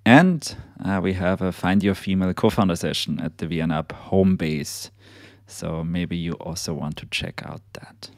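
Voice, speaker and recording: A man co-hosts a casual morning show and runs through the day's events, pausing on fillers along the way. His voice is low and gravelly. The sound is dry and close to the mic. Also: no room sound. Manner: relaxed, listing events with fillers. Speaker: co-host.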